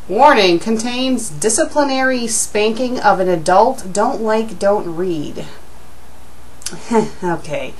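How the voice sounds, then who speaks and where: Woman doing a dramatic fanfic reading, kinda amused, chatty asides, middle pitch. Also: slight background noise, low-quality recording. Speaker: host reading and critiquing fan fiction. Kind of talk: dramatic reading with casual commentary.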